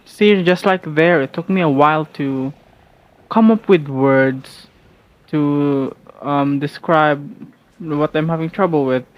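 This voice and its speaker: A man's voice: on the high side, slow, dull audio. A young man from the Philippines whose first language is Filipino, rambling casually and hesitantly at home with many restarts and fillers. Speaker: vlogger.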